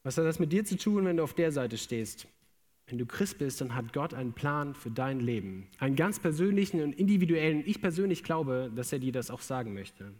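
A young man with a slightly raised voice preaches a sermon in a relaxed, humorous way, full of everyday slang. His voice carries a long reverb from the large hall around him. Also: fairly high pitch, brisk. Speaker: preacher, theology student. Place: large room with an audience.

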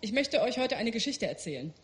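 A woman's voice: on the high side, big pitch swings, a little fast. A woman working as an interpreter, rendering a guest's testimony in church line by line. She speaks fluently, with the odd hesitant filler.

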